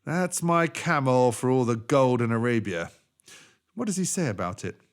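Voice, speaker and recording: A man's voice: mid-range voice, animated, moderate pace, smooth, lightly acted. A man voicing a stern, wily magical djinn of the desert in a storybook, emphatic and admonishing. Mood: brisk, assured.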